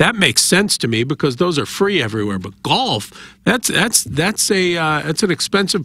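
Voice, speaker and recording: A man's fairly high, bright and sharp voice with vocal fry, very wide pitch swings and a moderate pace, in a dry sound with no echo. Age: 50s. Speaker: sports radio co-host; radio show host. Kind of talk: casual chat. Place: studio. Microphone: studio mic.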